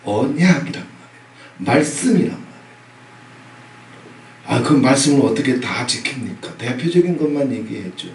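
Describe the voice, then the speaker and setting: A middle-aged male pastor giving a sermon, emphatic and conversational, often prompting the congregation with short questions and sudden loud outbursts. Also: mid-range voice, expressive, moderate pace, pauses often. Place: church sanctuary. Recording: echoey hall, from a distance, faint noise.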